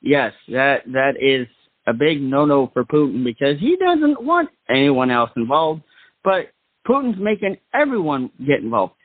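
Guy doing casual talk radio commentary, takes his time, voice a bit high. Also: huge pitch swings, a little slow, no echo, phone-quality sound. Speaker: talk show host.

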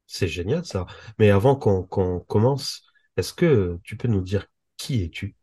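A man hosting a podcast interview, friendly but halting, with many fillers. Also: lowish voice, expressive, mellow, husky, no echo. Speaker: podcast host.

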